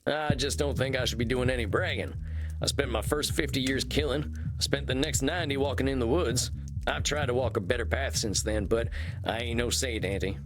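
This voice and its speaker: A man's voice: mid-range voice, a little fast, close to an everyday voice. Man as a humble vampire with a folksy drawl. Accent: American South or West drawl. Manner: folksy, plain-spoken, modest. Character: humble, self-doubting cowboy-like male vampire, folksy and polite. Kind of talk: visual novel game voice acting. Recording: music playing behind the voice.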